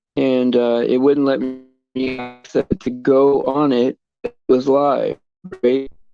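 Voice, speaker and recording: The delivery is very slow in pace. Behind it, music plays. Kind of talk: casual chat. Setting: live stream. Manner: halting with fillers. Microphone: internet connection issues.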